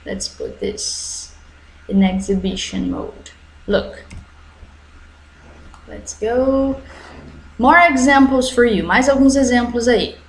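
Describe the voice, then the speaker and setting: Woman, Brazilian accent, English teacher, online class for kids, slow model sentences, roomy echo. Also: on the high side. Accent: Brazilian Portuguese. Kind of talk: online English lesson for children. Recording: echoey room.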